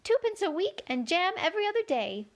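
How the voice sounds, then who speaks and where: A woman reading aloud and voicing the White Queen, a flustered, helpless older queen who talks in a high, plaintive, fluttery voice. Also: very animated, a little fast, heavily acted. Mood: fussy.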